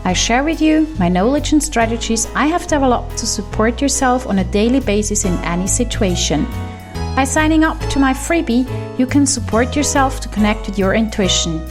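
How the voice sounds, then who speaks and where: A woman with a Swiss German accent, hosting her own podcast as an intuition coach, talking animatedly on her own. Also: over music. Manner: animated, with quick shifts up in pitch for emphasis. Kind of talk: solo podcast monologue.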